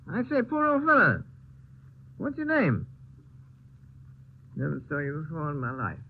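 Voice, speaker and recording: A man's voice: sits high, slight background noise. An actor playing a drunk, rambling Englishman, slurring and singsong. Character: drunk upper-class Englishman, rambling and silly. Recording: tinny old film soundtrack.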